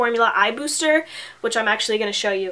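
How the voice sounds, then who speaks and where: Lively intonation in a woman's raised, projected voice. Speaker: beauty vlogger. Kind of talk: product review. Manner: fast; casual, filler-heavy.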